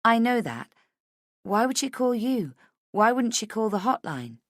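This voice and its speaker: A woman's voice: mid-range voice, big pitch swings, normal speed, dry recording, studio quality, voice pushed up, natural voice. Woman acting an insistent, defensive female podcaster. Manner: pleading, argumentative. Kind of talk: audiobook character dialogue.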